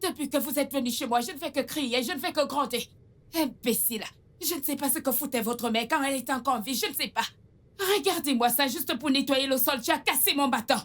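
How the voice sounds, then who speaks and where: An actress playing a cruel, bitter aunt who scolds and threatens with insults. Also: female voice, high-pitched, fast, a bit bright. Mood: scolding. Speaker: abusive aunt. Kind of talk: dubbed film drama.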